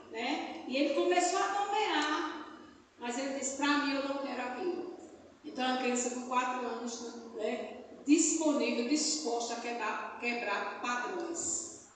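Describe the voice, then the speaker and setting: Woman, Brazilian accent, missionary preacher, fervent sermon, tag questions, distant mic, faint room noise. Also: high voice. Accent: Brazilian Portuguese. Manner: fervent, peppers speech with "né?" tag questions and praise shouts. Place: church hall during a family service. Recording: echoey church hall, mic far off.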